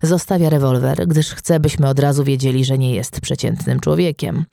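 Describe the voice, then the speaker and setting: A man narrating a crime novel audiobook in a steady, even storytelling manner. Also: medium pitch, normal speed, gravelly, no room sound, clean studio sound.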